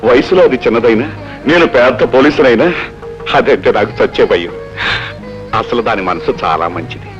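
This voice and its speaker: An actor playing a jovial, talkative middle-aged police constable who teases and laughs easily, in an old film scene. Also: male voice, mid-range voice, fairly quick, pauses often, lightly acted. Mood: kindly. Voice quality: chatty, teasing, laughing easily. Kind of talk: 1970s Telugu film acting. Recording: dull old film soundtrack with music.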